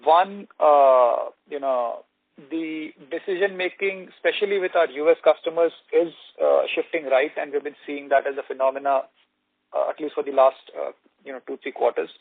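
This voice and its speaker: A man giving halting, measured corporate answers as an executive on an earnings call. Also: a little high, gravelly, no echo. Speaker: company executive answering analysts. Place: conference call. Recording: narrow, dry telephone conference line.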